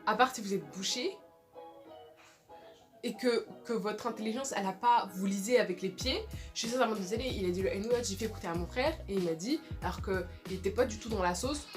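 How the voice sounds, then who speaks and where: A woman's voice: mid-range voice, a little fast, faint music behind. A young woman giving casual, emphatic commentary in a vlog, repeating her points and often saying sorry. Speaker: video creator.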